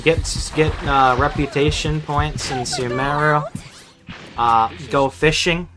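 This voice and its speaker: Slow and fairly even in intonation, this man's fairly high voice carries a casual gameplay livestream. He rambles playfully, repeats his phrases often, and faint game music plays in the background.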